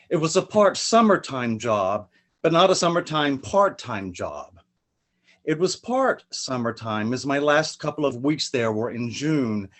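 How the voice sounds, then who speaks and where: Man giving an expressive poetry reading. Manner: expressive dramatic reading, pitch rises and falls. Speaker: poet reading his work. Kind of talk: poetry reading of a prose poem. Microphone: video call.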